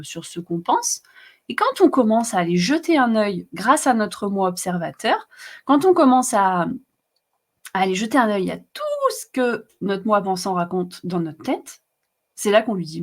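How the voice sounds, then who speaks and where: A woman's voice: mid-range voice, sing-song, moderate pace. A woman hosting a live stream, explaining emotions in a chatty way with many fillers and repetitions. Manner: warm, chatty, frequent fillers and repetitions, laughs often. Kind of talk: casual live teaching, reading comments.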